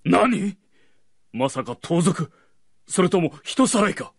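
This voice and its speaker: An actor playing a kindly, protective young noble master in a Japanese radio drama. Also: male voice, high-pitched, very animated, takes it slowly, creaky, slightly rough, no room sound, studio quality, heavily acted. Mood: concerned. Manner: gentle, concerned, well-mannered.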